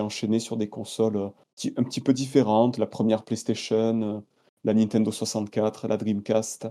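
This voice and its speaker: The speaker has a southern French accent and a dark, mellow tone at a moderate pace. The recording is very clean, with a silent background. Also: man. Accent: southern French, sing-song. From southern France, Alpes-de-Haute-Provence. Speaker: podcast listener guest, gamer. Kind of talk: interview. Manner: hesitant, frequent fillers.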